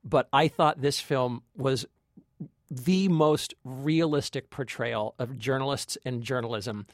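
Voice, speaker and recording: A man's voice: mid-range voice, slow, no room sound, clean studio sound. A man co-hosting a film review podcast, talking conversationally and reflectively, repeating phrases for emphasis. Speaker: podcast co-host, film critic.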